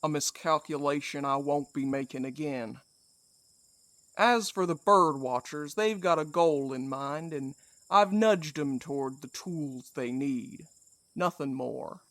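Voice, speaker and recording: A man's voice: on the high side, a little slow, a bit bright, no echo. A man playing a menacing, mock-courteous supernatural villain in an audio drama. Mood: smug, measured. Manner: drawling, theatrical, mock-polite. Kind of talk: audio fiction drama acting.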